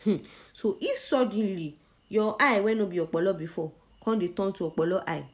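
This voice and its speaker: A woman's voice: mid-range voice, brisk. A woman with a Nigerian accent speaking Nigerian Pidgin, presenting a conversational health explainer in an emphatic way, posing questions to the listener and answering them.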